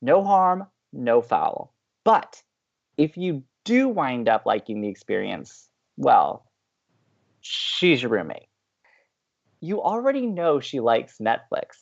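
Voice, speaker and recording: A woman's voice: very deep voice, very animated, slow, gravelly, dull audio, heavily acted. A woman playing an upbeat, teasing, hopelessly romantic college radio co-host in an audio drama, talking in playful, emphatic banter. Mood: teasing, insistent. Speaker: actor in a romantic comedy podcast.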